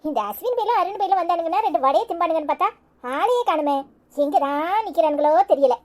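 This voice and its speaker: Bossy elder sister in a cartoon, Tirunelveli Tamil accent, very high lively voice, blunt and motherly. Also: quick pace. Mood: fussing. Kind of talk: cartoon voice acting.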